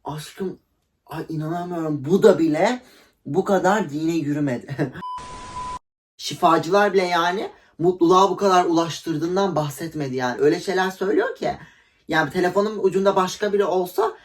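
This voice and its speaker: A woman's voice: lowish voice, brisk. Gossipy young woman vlogger. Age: young adult. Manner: gossipy, dramatic, acts out quotes with laughter. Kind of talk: casual storytelling vlog.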